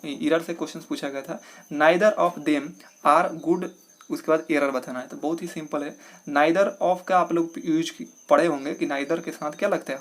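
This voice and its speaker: Upbeat man teaching exam answers. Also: fairly high pitch. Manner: walks through each answer step by step, asks and answers his own questions. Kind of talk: explaining exam questions.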